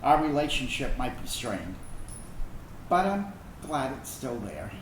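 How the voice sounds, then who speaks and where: A man acting in a staged reading as a reflective, wounded but tender gay son of a military family, telling a personal story earnestly and haltingly. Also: mid-range voice, sing-song. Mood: resigned. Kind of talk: dramatic monologue reading of a personal narrative. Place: indoor room, staged reading. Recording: echoey room, distant mic, background noise.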